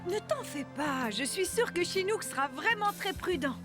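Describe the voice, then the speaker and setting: High, caring cartoon mother. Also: expressive, moderate pace, music in the background. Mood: reassuring. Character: caring, reassuring mother of small children. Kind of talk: animated children's cartoon dialogue.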